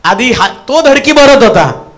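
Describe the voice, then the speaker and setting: A male pastor with a Marathi accent, preaching a Pentecostal sermon and leading the congregation in call and response, at times breaking into shouts. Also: very high voice, very animated, unhurried.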